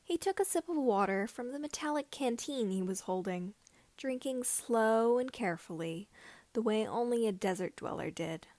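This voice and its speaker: A woman reading a story aloud as scripted narration, with somewhat halting phrasing. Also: fairly high pitch, lively intonation, a little mellow, no echo. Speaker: amateur audiobook reader of fan fiction.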